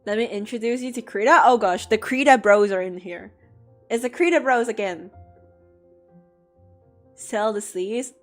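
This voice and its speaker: A woman's voice: on the high side, a little slow, long pauses, soft background music. A woman chatting casually with her livestream audience, talkative and given to mock-dramatic outbursts. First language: English. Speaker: art streamer answering chat.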